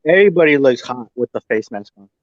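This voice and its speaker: A man's voice: medium pitch, animated, quick pace. A man joining a group call, loose and joking. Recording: dull line with faint hiss.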